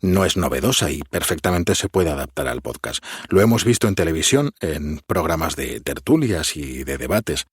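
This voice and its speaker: A man with a very deep voice and a husky edge answers interview questions at an unhurried pace, weighing each point calmly. The recording is dry and close, with no room sound. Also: no echo. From Spain. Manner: calm, deliberate and reflective, with occasional fillers. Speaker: podcast guest.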